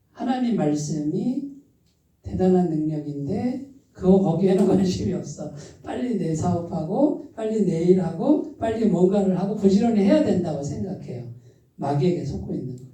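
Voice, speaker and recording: Dark-voiced pastor preaching in an echoey church. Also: male voice, sits high. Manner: emphatic, asks the congregation rhetorical questions. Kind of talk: sermon. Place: church sanctuary. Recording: very echoey church hall, voice from far off.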